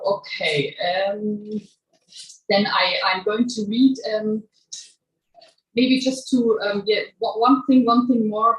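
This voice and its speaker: A woman with a German accent introducing herself at a public reading, halting, restarting often and laughing as she talks. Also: medium pitch. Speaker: guest writer giving a reading. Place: small venue before a live audience. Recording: echoey room, voice from far off.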